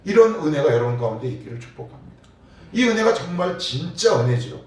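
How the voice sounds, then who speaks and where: A man's voice: a little high, sing-song, fast. A middle-aged man preaching a morning prayer sermon, asking his congregation questions in a conversational way. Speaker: pastor. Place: church sanctuary. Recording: echoey church from a distance, faint background hum.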